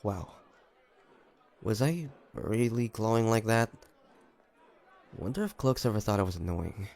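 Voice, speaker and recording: A man playing a weary, protective demon hunter in a dramatic audio roleplay, with halting, emotional delivery. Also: fairly low pitch, lively intonation, creaky, darkish tone, a faint crowd. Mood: reflective, sad. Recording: roomy with long reverb.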